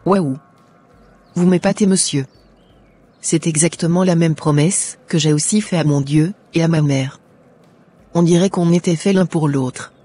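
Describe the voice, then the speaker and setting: A woman's voice: sits low, a little slow, long pauses, warm tone, breathy edge. A woman voicing a devout, earnest young Christian woman in a cartoon, speaking in a pious way. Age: young adult.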